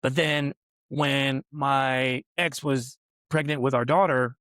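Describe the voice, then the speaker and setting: A man in his forties hosts a podcast from a massage table in New York City, slowly rambling through a long personal story in casual interview conversation and often adding "right?" His mid-range voice is steady and fairly bright, captured as clean studio sound without room sound.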